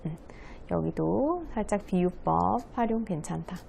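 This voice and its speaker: A woman's voice: on the low side, lively intonation, measured pace, creaky, a little mellow, a little hiss or hum. A woman speech coach giving a patient, friendly lesson to schoolchildren, writing on a board as she talks. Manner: friendly, patient teacher voice addressing children.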